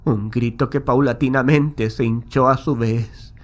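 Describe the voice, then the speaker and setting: A man's voice: medium pitch, steady tone, measured pace. A man narrating a horror audiobook in the first person, with a solemn, literary, dramatic delivery.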